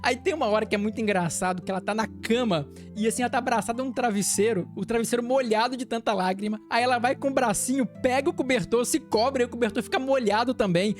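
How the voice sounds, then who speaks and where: A woman with a Brazilian Portuguese accent hosting an anime channel, recapping an episode in an animated, chatty way and laughing often. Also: a little high, fast, hardly any pauses, soft background music.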